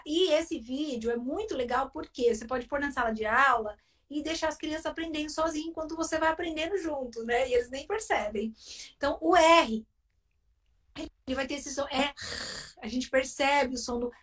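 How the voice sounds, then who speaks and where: A woman's voice: high-pitched, normal speed, a bit bright, distant mic. A Brazilian woman, a literacy specialist, explaining phonics on a live video chat, often tagging her sentences with "né?". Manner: explanatory, with frequent "né?" tags.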